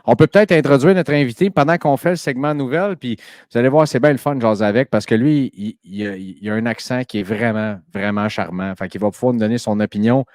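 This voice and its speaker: Male host, smooth resonant voice, dry, chatty. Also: mid-range voice, quick pace, a little mellow, dry recording. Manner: chatty, enthusiastic, many fillers. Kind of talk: casual podcast chat.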